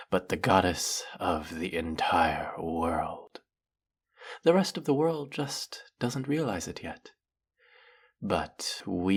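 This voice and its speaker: A man playing a flirty, fanatically devoted demon familiar in a dramatic audio roleplay, with fawning, formal diction and a breathy, husky voice. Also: sits low, full character voice. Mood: fanatical worship. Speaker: voice actor. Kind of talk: dramatic roleplay monologue spoken to the listener.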